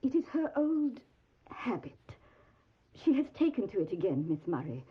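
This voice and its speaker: An actress playing a middle-aged, genteel Victorian mother in an audio drama, husky, fretful and confiding in a halting, fussy way. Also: mid-range voice, sing-song. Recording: narrow phone-like audio.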